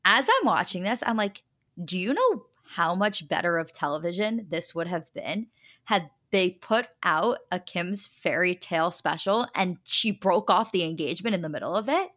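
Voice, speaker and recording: A woman's voice: fairly low pitch, sing-song, moderate pace, a bit bright. A woman co-hosting a podcast, giving opinions in casual chat with emphatic rhetorical questions. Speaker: podcast co-host.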